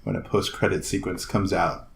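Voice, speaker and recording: A man co-hosting a movie podcast in casual chat, making dry, deadpan jokes. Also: low-pitched, moderate pace, vocal fry, roomy sound, slight background noise. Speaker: podcast co-host.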